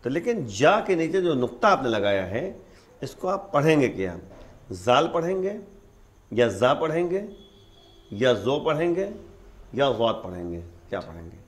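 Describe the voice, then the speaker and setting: A male Islamic scholar speaks at a medium pitch with a sing-song quality. He is a patient explainer who takes things step by step while giving religious teaching in conversation.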